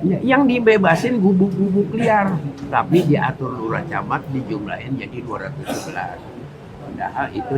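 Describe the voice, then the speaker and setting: A man with a high-pitched voice speaks at a moderate pace, his pitch swinging very widely over noticeable background noise. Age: 80s+. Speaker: land heir in a dispute. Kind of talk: interview testimony. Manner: halting.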